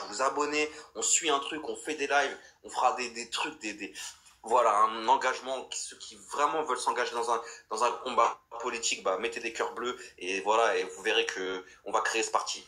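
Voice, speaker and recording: Young french guy ranting on his livestream, bright forceful voice, keeps restarting, lots of euh. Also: medium pitch, fairly even intonation, brisk. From France. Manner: fired-up, rambling, many restarts and fillers. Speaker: livestream host. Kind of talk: casual livestream chat.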